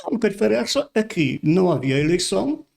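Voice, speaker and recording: A man's voice: sits high, big pitch swings, fast, gravelly, darkish tone. An older man from Brazil, a pastor, telling his life story in a casual interview and repeating words as he recalls things. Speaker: pastor, podcast guest.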